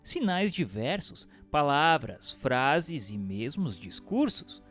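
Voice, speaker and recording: A man's voice: on the high side, big pitch swings, takes it slowly, a bit bright. A man with a Brazilian accent reading a book aloud as a narrator, in a formal, declamatory way. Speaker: audiobook narrator. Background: music.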